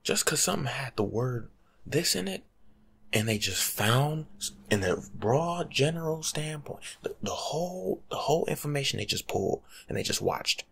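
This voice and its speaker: Husky, half-whispering young American man. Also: medium pitch, normal speed. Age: young adult. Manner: slangy, teasing lecturing, animated. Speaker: ASMR creator playing a life coach. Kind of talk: soft-spoken ASMR, casual advice monologue. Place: small home room, seated indoors.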